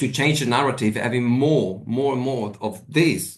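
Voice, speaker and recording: In an Italian accent, a man speaks at medium pitch and a moderate pace, with ordinary pitch variation. Room echo is audible. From Italy. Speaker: panel speaker on art careers. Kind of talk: panel discussion answer. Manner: halting, many fillers and repetitions.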